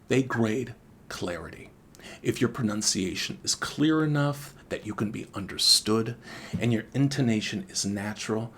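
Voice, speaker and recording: A man teaching exam speaking skills in a scripted video lesson, speaking deliberately with expressive intonation. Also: on the low side, a little hiss or hum. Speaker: IELTS teacher and former examiner.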